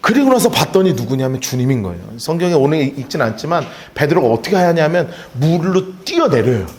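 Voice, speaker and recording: A male pastor delivers a sermon in a fairly high voice that rises and falls a great deal. He moves between loud emphasis and hushed storytelling, and he leads the congregation in repeating phrases. The sanctuary gives his voice a roomy echo. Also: sing-song, a little fast, slight background noise. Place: church sanctuary. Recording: echoey church sanctuary.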